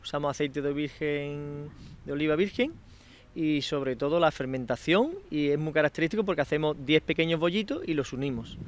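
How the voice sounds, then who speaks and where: A man's voice: a little high, a little fast. A man in his thirties, a chef and restaurant owner, explaining his work plainly in an outdoor interview. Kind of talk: casual interview. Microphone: handheld microphone.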